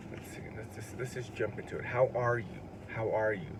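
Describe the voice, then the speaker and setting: A man's medium-pitched, somewhat breathy voice with an American accent, at a moderate pace, with audible room echo. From California, US. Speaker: language tutor vlogger. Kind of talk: casual tutorial. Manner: halting.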